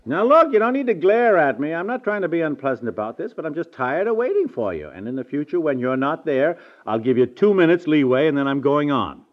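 Animated, scolding American husband on old radio. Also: male voice, a little high, brisk, few pauses. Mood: exasperated. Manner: scolding, emphatic, stammers when flustered. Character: exasperated lecturing husband, a businessman, stubborn but affectionate. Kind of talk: 1950s radio domestic comedy acting. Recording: dull band-limited 1950s radio recording.

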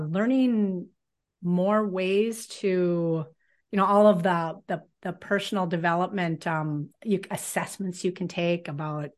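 A woman's voice: on the low side, a bit bright. A woman in her fifties from Minnesota with a Minnesota accent, chatting casually as a podcast guest, laughing often and restarting phrases. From Minnesota, USA. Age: 50s. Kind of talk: casual interview conversation.

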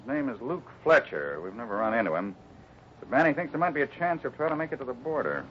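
Actor as a fatherly ranch foreman, lively inflection. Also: mid-range voice, quick pace, lightly acted. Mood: steady. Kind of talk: 1950s radio drama acting. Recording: muffled, noisy old radio recording.

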